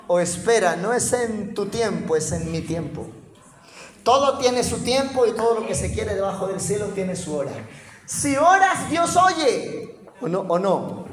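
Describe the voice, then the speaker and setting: Fervent Colombian male preacher with a high, raised voice, recorded in an echoey church hall; swings from quiet to shouting. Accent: Colombian Spanish. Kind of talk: sermon.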